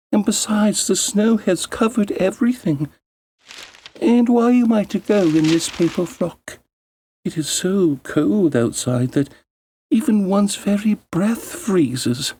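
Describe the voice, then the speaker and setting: A man voicing a gentle, obedient young girl in a fairy tale, earnest and pleading. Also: high-pitched, voice pushed up, heavily acted.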